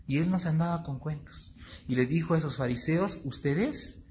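A man's voice: fairly high pitch, brisk, darkish tone. A man teaching a Bible class in sermon style, emphatic and acting out little dialogues with rising questions. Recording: dull lo-fi recording, faint noise.

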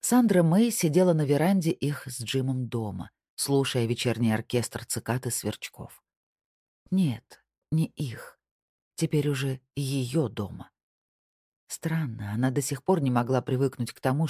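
An audiobook narrator reading a novel in an even, unhurried storytelling manner. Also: medium pitch, husky, no echo, studio quality. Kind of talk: scripted narration.

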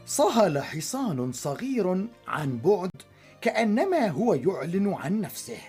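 A woman narrating a storybook drama with an expressive, measured delivery. Her voice is fairly low for a woman but ranges widely in pitch, over soft background music. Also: slightly rough.

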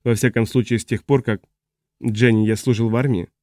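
A man's voice: medium pitch, steady tone, dark tone, no room sound, studio quality, lightly acted. A man reading as a fretful, forgetful man. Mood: confused, fretful. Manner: fretful, halting, trailing off mid-sentence. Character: confused, agitated man who has lost his memory. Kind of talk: audiobook character reading.

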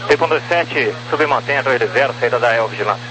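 Male air traffic controller, brisk and terse, clipped radio phraseology, clear hum and static. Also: medium pitch. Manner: terse, procedural. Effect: aviation radio. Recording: noisy humming aviation radio.

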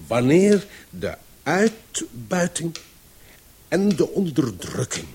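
An actor playing a pedantic, self-assured amateur scientist in a radio play, lecturing with emphatic pauses. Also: male voice, fairly high pitch, big pitch swings, creaky, a little mellow, full character voice. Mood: pompous, lecturing. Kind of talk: Dutch-language radio play acting. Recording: faintly hissy old radio recording.

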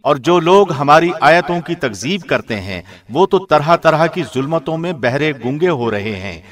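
A man reading a scripture translation from a script in a measured, formal radio-presenter manner. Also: a little high, expressive, fairly bright tone, soft background music. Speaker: translation reader.

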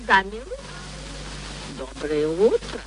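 A woman's voice: medium pitch, wildly swooping pitch, slow pace. An actress playing a genteel older mother in a Russian radio play, speaking politely and affectionately with a theatrical touch. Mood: gently knowing. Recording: noisy old radio drama recording.

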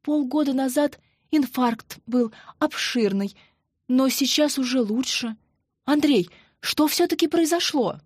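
A woman's voice: high voice, animated, unhurried, darkish tone, husky, no room sound, voice pushed up, heavily acted. A woman voicing an elderly mother who is anxious, plaintive and close to tears. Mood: bewildered. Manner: plaintive, pleading.

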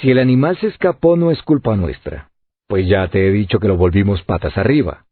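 A man's voice: lowish voice, expressive, fairly quick, breathy edge, no room sound. A man voicing a flustered, defensive servant. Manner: defensive, exclaiming. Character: blunt grown male servant, easily flustered. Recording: tinny phone-like lo-fi audio.

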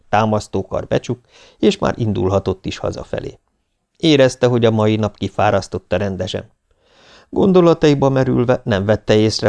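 Recsegő hangú férfi felolvasó. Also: male voice, fairly low pitch, gravelly, darkish tone. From Hungary. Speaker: audiobook narrator. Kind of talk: scripted narration.

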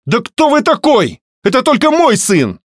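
A male narrator voicing an indignant, furious young woman held captive, in shrill outraged outbursts. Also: wildly swooping pitch, moderate pace, no echo, studio quality, full character voice. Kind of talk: audiobook character voice.

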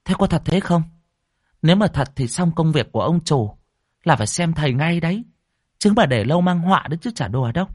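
A man voicing a fussy older female relative who presses with quick questions. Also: fairly high pitch, expressive, darkish tone, no room sound, studio quality, voice pushed up. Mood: urgent.

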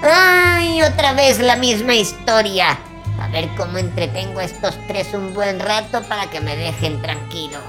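Woman doing a creepy grumpy old uncle horror host, theatrical, really animated, takes his time. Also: mid-range voice, a little slow, over music, close to an everyday voice. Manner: grandiloquent, mock-grumbling, addressing listeners as creatures. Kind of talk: theatrical horror anthology hosting.

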